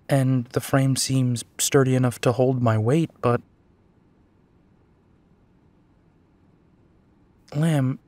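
A man playing a devoted werewolf detective in an audio drama. He talks slowly and softly in a mid-range voice, earnest and reassuring, as if to one person close by. The recording is close and dry. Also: medium pitch, no echo, close to an everyday voice. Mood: soft, hesitant. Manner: slow, soft, reassuring, with pauses and sighs. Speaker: audio roleplay voice actor. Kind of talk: intimate second-person audio drama roleplay.

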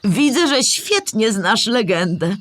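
A woman playing a patient storyteller who explains history to children in a scripted audio play, with clear, measured delivery. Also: mid-range voice, sing-song, fairly bright tone, full character voice. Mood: explanatory, patient.

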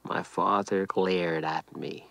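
A man narrating a cartoon as a grown man recalling his boyhood, with a gravelly voice. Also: low voice, steady tone, takes it slowly, fairly bright tone, full character voice. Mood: reflective. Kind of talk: scripted first-person storytelling narration.

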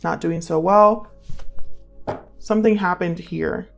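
A woman giving a casual tarot reading, thinking aloud and speaking straight to the listener in a conversational way, with gravelly vocal fry. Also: fairly low pitch, takes it slowly, soft background music. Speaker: tarot reader, channel host.

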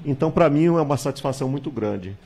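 A man, a candidate recounting his life in a studio interview, measured and reminiscing, with hesitations and tag questions, on a handheld mic. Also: mid-range voice, animated, creaky, a little mellow, breathy edge. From Salvador, Bahia, Brazil. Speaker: political candidate, guest. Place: small TV studio with virtual set.

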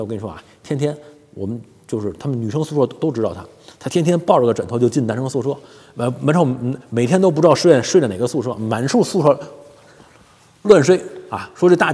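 A man's voice: mid-range voice, breathy edge. A man hosting a casual commentary monologue, joking, laughing often and stumbling over repeated words, on a lapel mic. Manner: animated and joking, frequent laughter and stammered repeats. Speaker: commentary channel host. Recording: long hall reverb.

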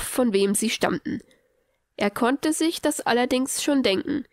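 A woman narrates a fan fiction audiobook with lively storytelling. Her voice sits a little high. The recording is dry and close. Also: dry recording. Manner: lively storytelling, reads all parts. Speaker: audiobook reader.

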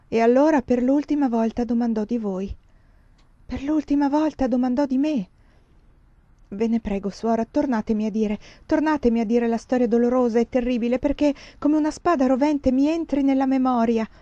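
A woman reading a novel aloud in a theatrical way, rising to loud outbursts and sinking to hushed tones. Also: a little high, dry recording, dull audio. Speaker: audiobook reader. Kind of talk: dramatic audiobook narration.

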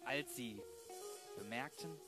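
Slow-paced male narrator over music. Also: medium pitch. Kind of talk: dramatic crime audio drama narration.

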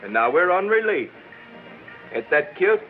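A man's voice: high-pitched, big pitch swings, measured pace. A sardonic American radio comic, full of slang. He speaks in old Hollywood wisecracking style on a narrow, muffled soundtrack with faint music. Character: wry, slangy out-of-work radio comedian. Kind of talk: 1940s Hollywood film acting.

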